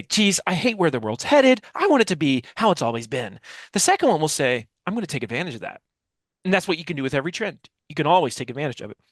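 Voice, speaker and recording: A man's voice: on the high side, fairly bright tone, dry recording. Emphatic American man explaining, close dry sound. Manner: emphatic, rhetorical repetition and questions. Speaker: podcast guest, author and business speaker. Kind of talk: explanatory interview answer with storytelling. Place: small dim home office, video call. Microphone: headset microphone.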